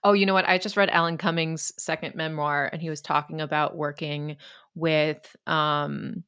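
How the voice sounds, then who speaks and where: A woman's voice: sits low, level tone, normal speed, fairly bright tone, clear, resonant tone. A woman co-hosting a podcast in a casual, conversational way. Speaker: podcast co-host.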